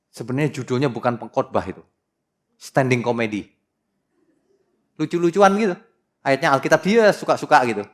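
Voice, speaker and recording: Animated preaching man, lively pitch. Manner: animated, teasing, mocking asides to the congregation; reads scripture aloud slowly and dramatically. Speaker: pastor. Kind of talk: sermon.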